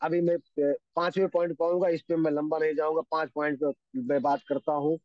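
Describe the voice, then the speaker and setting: A man's voice: fairly high pitch, level tone, no room sound. A man giving a motivational seminar speech at a direct-selling event. He repeats key phrases over and over and drops in couplets and sayings. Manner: says he talks fast. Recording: slightly muffled, dry lo-fi sound.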